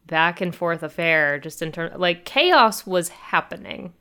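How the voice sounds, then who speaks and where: Low smooth-voiced woman talking soccer. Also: animated, unhurried, bright, forceful tone. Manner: chatty, thinking aloud with fillers. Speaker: soccer podcast host. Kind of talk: casual sports chat.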